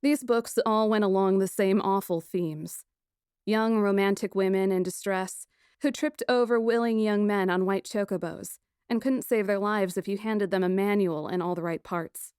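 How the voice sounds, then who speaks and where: A woman playing a plucky, sarcastic kidnapped young woman who narrates her ordeal in a first-person audiobook, wry and expressive. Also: medium pitch, clean tone, no echo, clean studio sound, close to an everyday voice.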